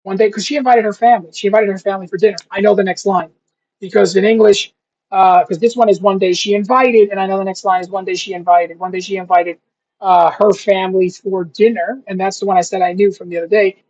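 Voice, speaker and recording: A young man with a husky, slightly breathy voice talks to himself while studying, drifting between chatty asides and slow, careful attempts at new words. The sound is dull and lo-fi, like a cheap home setup. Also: high voice, steady tone, darkish tone. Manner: rambling, thinks aloud, sounds out foreign words slowly. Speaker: language learner vlogger. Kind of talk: casual self-talk while studying. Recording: dull lo-fi recording.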